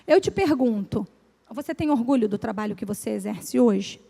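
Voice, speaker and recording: High-voiced Brazilian woman giving a lively talk. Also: normal speed, creaky. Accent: Brazilian Portuguese. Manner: lively, asks the audience questions, acts out examples. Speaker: speaker at a business breakfast talk. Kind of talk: motivational business talk. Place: event room with audience. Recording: live hall with long reverb.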